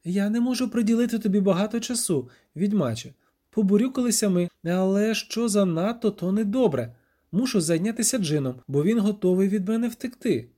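A weary sorceress with a cold, cutting edge, voiced in a raised register, as a male narrator plays her. Her lines are lively in pitch yet dark in tone. It comes from a fantasy storybook reading. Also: brisk. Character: sorceress, woman, cold and exhausted.

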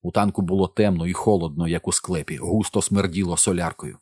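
A man narrating an audiobook in a steady, even reading voice. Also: sits low, a little fast, breathy edge, no room sound.

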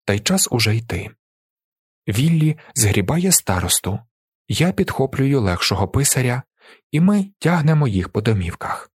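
A man narrating a story in an audiobook reading, lively and storytelling, raising his voice for the characters' shouts. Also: medium pitch, normal speed, husky, no room sound, studio quality.

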